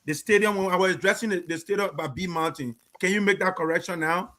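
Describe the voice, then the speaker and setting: A man's voice: sits high, fast talker, bright, forceful tone. A man from Liberia with a Liberian English accent, a radio show host who presses his guest for explanations again and again. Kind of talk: live radio call-out show.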